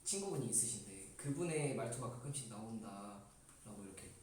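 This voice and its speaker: A man's voice: lowish voice, expressive, a little fast, a little mellow. A young man from Gokseong, a guest on the livestream, who talks playfully and acts out quotes in casual chat. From Gokseong, South Korea. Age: young adult. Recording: roomy, distant mic, faint noise.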